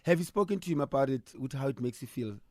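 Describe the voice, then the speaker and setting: A man's voice: medium pitch, animated, fast talker, dark tone, dry recording, clean studio sound. A man co-hosting a radio advice show, chatty and mixing English with Zulu. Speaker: radio co-host.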